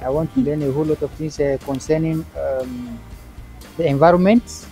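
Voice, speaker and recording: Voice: medium pitch, normal speed, mellow, faint music behind. An interviewee from Ghana chatting casually on a video call.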